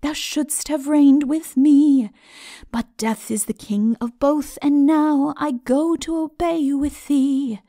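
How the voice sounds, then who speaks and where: A solemn aged king from a storybook ballad , sung by a woman. The voice is very high and stately. Phrases come slow and drawn out in a chant, recorded dry. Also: fairly even intonation, dark tone, dry recording. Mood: solemn, lofty.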